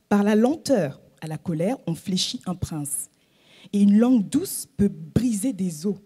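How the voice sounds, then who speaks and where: Pasteure, sermon narratif, ton doux, timbre mat et légèrement soufflé. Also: female voice, mid-range voice, slightly rough. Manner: gentle, storytelling preaching with whispered asides. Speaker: pastor.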